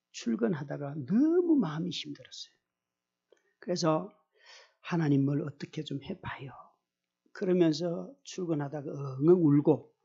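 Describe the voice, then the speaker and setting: A middle-aged male pastor preaching a sermon with personal testimony, telling it in an animated way, acting out his own prayers and putting questions to the congregation. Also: on the high side, creaky, slightly rough. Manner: animated storyteller, acts out quoted prayers, asks the congregation questions. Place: church service. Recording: dull lo-fi recording.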